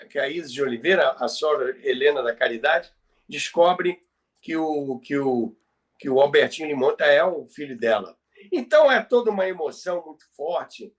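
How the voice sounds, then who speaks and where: High-pitched Brazilian man telling a story. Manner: halting, repeats words for emphasis. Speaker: podcast co-host. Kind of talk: conversational storytelling about radio history.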